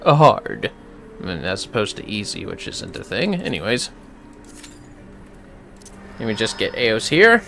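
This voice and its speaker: A man's voice: on the low side, big pitch swings, unhurried, pauses often. Casual sweary male streamer over music. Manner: sweary, rambling, talking to himself. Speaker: livestreamer. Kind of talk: casual gaming livestream chat with viewers. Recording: music playing behind the voice. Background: clear music.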